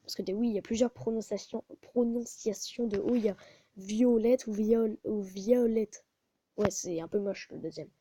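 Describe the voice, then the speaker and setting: A woman's voice: medium pitch, fairly even intonation, fairly quick, hardly any pauses, warm tone, a little hiss or hum, poor audio. A woman hosting a casual gaming video, muttering to herself and often stopping to correct herself, recorded on a phone. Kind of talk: casual gameplay commentary.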